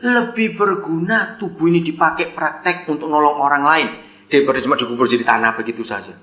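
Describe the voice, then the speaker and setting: Animated man preaching in an echoey hall. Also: a little high, a little fast. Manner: animated storytelling, addresses listeners as "saudara". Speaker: pastor. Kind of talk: sermon storytelling.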